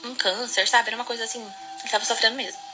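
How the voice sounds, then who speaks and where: A woman quoting her brisk, insistent female head nurse in her own voice. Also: fairly high pitch, steady tone, noisy background, close to an everyday voice. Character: bossy middle-aged female head nurse.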